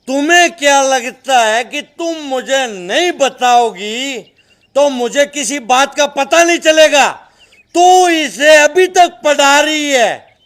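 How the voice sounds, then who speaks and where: A man playing a cruel, threatening drunkard father in a melodrama, scolding his family in a menacing, drawn-out way. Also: high-pitched, full character voice. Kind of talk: melodramatic Hindi drama acting.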